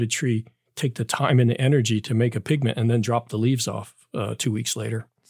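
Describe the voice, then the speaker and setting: A man with an American accent speaks at a fairly quick pace in a medium pitch, somewhat breathy. The recording is very clean with a silent background and a dry, close sound with no echo. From Maryland. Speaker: biology professor. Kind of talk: radio interview.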